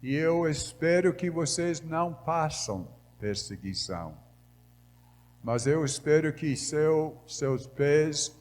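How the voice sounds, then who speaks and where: Slow-speaking missionary preacher in a hall. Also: male voice, fairly high pitch, animated. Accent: Brazilian Northeastern Portuguese, as a foreign speaker. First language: English. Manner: slow, measured preaching that grows louder when reading scripture. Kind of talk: sermon. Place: large church hall. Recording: reverberant church hall.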